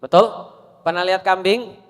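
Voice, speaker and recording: A male preacher giving a sermon to a women's gathering, quizzing the audience with rapid questions. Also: sits high, in a large hall. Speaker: Islamic preacher.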